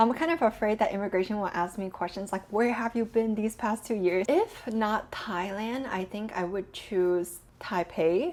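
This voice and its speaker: Speaking at a moderate pace, a woman has a fairly high pitch. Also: ordinary pitch variation. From US, Cantonese-speaking family. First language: Cantonese. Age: 20s. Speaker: vlogger. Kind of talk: Q&A vlog.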